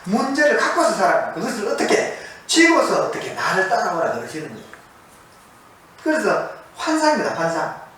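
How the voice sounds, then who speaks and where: A man's voice: high-pitched, big pitch swings, fairly quick, fairly bright tone. A man preaching a sermon from a monastery to an audience, asking them questions and repeating key words for emphasis. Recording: very echoey, distant mic, faint noise.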